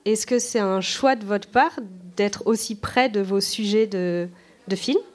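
A woman interviewer with a middling pitch who puts her questions politely and formally. She addresses her guest with courtesy and lays out each question in full. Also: unhurried.

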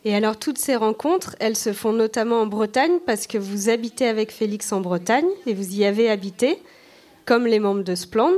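A woman's voice: a little high, normal speed, darkish tone. Woman asking polite interview questions.

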